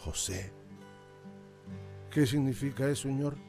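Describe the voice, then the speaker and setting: A man's voice: medium pitch, a little slow, creaky, dark tone, soft background music. An actor playing an embittered, mournful old indigenous man, speaking plainly and deferentially in a radio drama. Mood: humble, wistful. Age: older. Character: anguished, embittered old indigenous man, last of his people.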